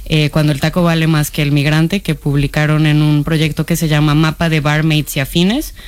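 A woman's voice: sits low, level tone, normal speed, smooth, dry recording. A Mexican woman with a Mexican accent, a journalist chatting casually on radio, hesitant with many fillers. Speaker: journalist, regular contributor. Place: radio studio.

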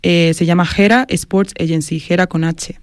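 A woman's voice: lowish voice, fairly even intonation, moderate pace, no echo, studio quality. A woman from Madrid, a guest in a casual interview, talking earnestly with many fillers and self-corrections. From Madrid, Spain. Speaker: guest, sports marketing agency founder.

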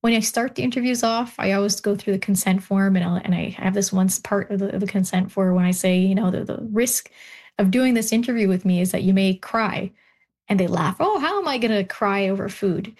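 A woman historian speaks as an interview guest, recounting family stories with animation. She talks openly and laughs easily, her voice at a middle pitch. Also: brisk. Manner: warm, animated storytelling, laughs often.

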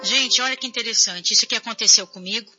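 A hoarse woman with a Brazilian Portuguese accent, hosting a Christian TV talk show, chatting with viewers and reading out their messages. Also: on the high side, fast, highs cut off, music in the background. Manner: chatty, addresses viewers directly. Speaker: Christian TV show host and gospel singer.

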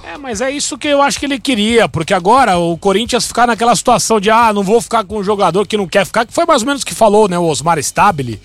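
A man, hosting a sports talk show in a chatty, animated way, with frequent restarts. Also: sits high, fast talker, hardly any pauses, no echo.

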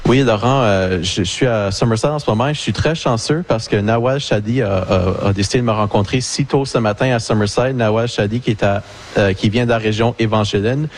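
Low-voiced halting man reporting live. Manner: halting, stumbling questions. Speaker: radio field reporter. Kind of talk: live radio interview.

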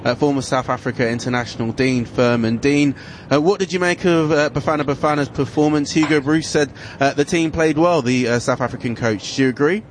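A man presenting a sports news report and questioning guests, brisk with some fillers. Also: medium pitch, fairly even intonation, slight background noise. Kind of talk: broadcast presenting and interviewing.

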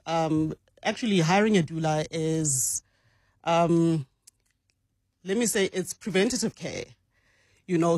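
A man's voice: fairly high pitch, darkish tone, no echo. A man with a South African accent, a guest on a radio show, explaining earnestly and slipping in Setswana words. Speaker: doula, studio guest. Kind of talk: radio interview. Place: radio studio.

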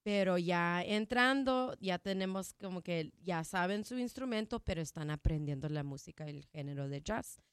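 A woman's voice: fairly low pitch, lively intonation, clear, resonant tone, dry recording, studio quality. A woman whose first language is English, speaking Spanish in a casual interview about her jazz program, with frequent restarts and fillers. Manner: halting, many restarts and fillers.

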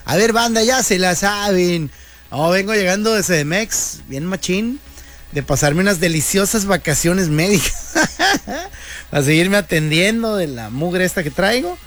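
A man's voice: high voice, lively intonation, unhurried, fairly bright tone. A man, hosting a radio show in a joking, slangy monologue. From Mexico. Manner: joking, slangy, playful banter. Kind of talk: casual comedic radio monologue.

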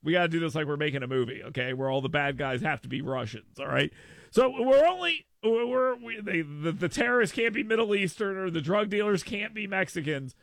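A brash man hosting talk radio, his voice high and gravelly. He riffs sarcastically and mocks, his tone bright and sharp. The sound is close and dry. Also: animated, fairly quick, no echo. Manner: brash, sarcastic, riffing and mocking. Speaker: radio talk show host. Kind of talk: talk radio monologue with live read ad.

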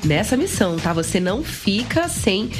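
A woman's voice: mid-range voice, very animated, normal speed. A woman hosting a morning radio show in a breezy, chatty way. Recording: music bed behind the voice.

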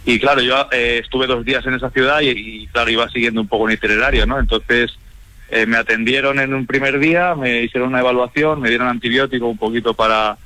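Bright, chatty man on radio. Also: mid-range voice, steady tone, quick pace, no room sound. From Spain. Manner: chatty, laughs easily, many fillers. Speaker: guest, teacher and traveler. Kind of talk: casual radio interview.

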